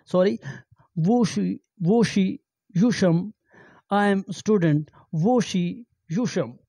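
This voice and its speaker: Middle-aged guy teaching words slowly, lots of uhs and repeats, dark mellow voice, dry small room. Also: sits high, gravelly, no echo. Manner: halting, repeats phrases, many fillers. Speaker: language teacher. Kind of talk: amateur language lesson. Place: small indoor room with green backdrop. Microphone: handheld microphone.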